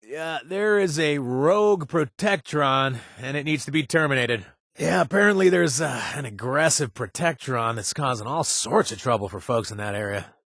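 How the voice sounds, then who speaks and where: An actor playing a wry, sarcastic companion in a video game who hands out kill jobs, stammering and joking. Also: male voice, medium pitch, moderate pace, no room sound. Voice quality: animated, sarcastic delivery with hesitant stammers. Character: wry young man, quest-giving companion, sarcastic and jumpy. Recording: dry studio sound.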